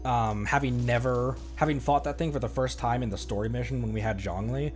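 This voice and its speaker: Male game livestreamer, average pitch, casual and rambling, restarting sentences, faint music behind. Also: darkish tone. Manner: rambling, halting, self-interrupting. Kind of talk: casual gaming chat.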